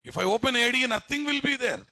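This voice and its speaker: A man's voice: very high-pitched, quick pace, pushed and bright, no room sound. A man with a Telugu Indian English accent teaching a live programming class in a blunt, scolding way, repeating himself and tossing out rhetorical questions. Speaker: programming instructor. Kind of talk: live classroom lecture to students.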